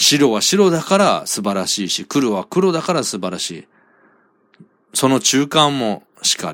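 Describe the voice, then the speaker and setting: Speaking at a fairly slow pace, a man with fairly high pitch moves through very wide pitch swings. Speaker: solo podcaster. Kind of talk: casual solo monologue. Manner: burping between lines.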